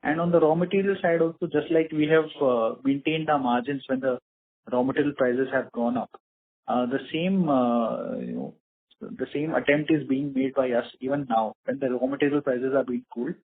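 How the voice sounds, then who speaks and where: A man with an Indian accent answers investor questions as a company executive. His voice is a little rough at a middling pitch, and his delivery is formal and measured. It comes through a narrow, thin phone connection. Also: fairly even intonation. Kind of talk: earnings call question and answer. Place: conference call. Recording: muffled narrowband phone line, slightly rough.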